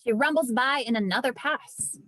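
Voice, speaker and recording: Higher-pitched woman reading stage directions. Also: moderate pace, bright, forceful tone, no echo. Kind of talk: scripted narration at a table read.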